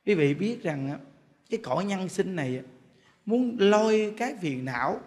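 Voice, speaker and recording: A man's voice: sits high, lively intonation, moderate pace, darkish tone. A man with a Southern Vietnamese accent, a Buddhist monk giving a humorous storytelling sermon. He jokes, chats and repeats words as he builds a point.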